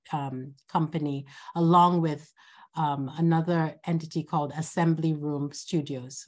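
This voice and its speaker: A woman with a low voice hosts an online alumni event. She talks off the cuff, often repeating a word before going on. The sound comes through a home video call. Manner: warm, repeats words while speaking off the cuff. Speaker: college dean hosting an alumni event. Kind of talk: welcome speech over video call.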